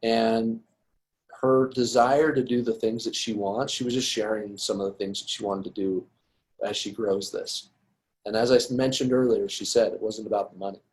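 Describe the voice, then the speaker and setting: A man's voice: on the low side, steady tone, normal speed, a little mellow, rough recording. A man hosting a company call, upbeat and effusive in his praise, repeating his points. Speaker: host, company presenter.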